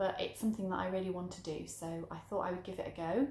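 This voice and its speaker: Audible room echo surrounds a woman's voice. She speaks at a medium pitch with fairly even intonation. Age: 30s. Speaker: craft podcaster and sewing teacher. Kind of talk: casual vlog monologue. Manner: hesitant, many fillers.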